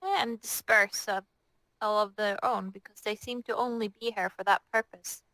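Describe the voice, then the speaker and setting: A woman's voice: medium pitch, fairly even intonation, moderate pace, sharp tone, no echo, poor audio. A woman playing a tabletop roleplaying game, chatting casually in improvised in-character dialogue.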